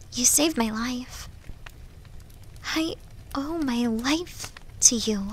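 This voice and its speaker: Lady doing a clingy shy wolf girl, high soft breathy voice, slow and pleading, asmr roleplay. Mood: desperate, devoted. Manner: hesitant, breathy, pleading, softly spoken. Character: timid, needy, devoted yandere young wolf girl.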